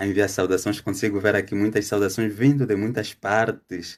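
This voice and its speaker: A fairly low-pitched man on a very clean recording with a silent background. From Angola. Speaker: Salesian religious, preacher. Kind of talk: homily reflection. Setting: live stream. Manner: slightly halting with fillers.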